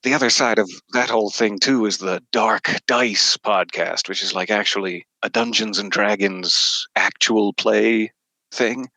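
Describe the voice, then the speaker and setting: Man, lowish bright voice, dry sound, casual interview talk, wordy and playfully theatrical phrasing. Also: steady tone, a little slow, no room sound. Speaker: guest voice actor. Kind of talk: casual podcast conversation about audio drama work.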